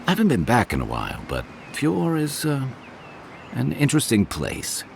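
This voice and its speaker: An actor playing an easygoing, wry adventurer companion in a video game, teasing and reflective. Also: male voice, medium pitch, wildly swooping pitch, normal speed, creaky, a little hiss or hum. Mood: thoughtful, wry. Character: easygoing wry male adventurer companion, weathered but good-humoured. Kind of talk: naturalistic video game dialogue.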